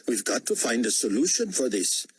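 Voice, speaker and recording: Man playing an Indian male official, Indian accent, higher-pitched, breathy rasp, pleading, defiant, anguished, audiobook drama. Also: big pitch swings, normal speed. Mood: agitated. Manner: pleading yet defiant, outspoken.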